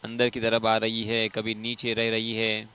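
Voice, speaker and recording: A man's voice: on the low side, monotone, measured pace, pushed and bright, clear, resonant tone. A man with an Indian accent gives live ball-by-ball cricket commentary, explaining play and repeating key phrases for emphasis.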